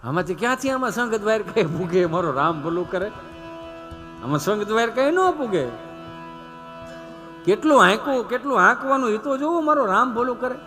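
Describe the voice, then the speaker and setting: Gujarati male stage comic, animated and bright-toned, plays every character himself. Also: high voice, moderate pace, pauses often, soft background music. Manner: animated, acts out village characters in raised voices. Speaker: stage comedian. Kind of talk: folk stand-up storytelling.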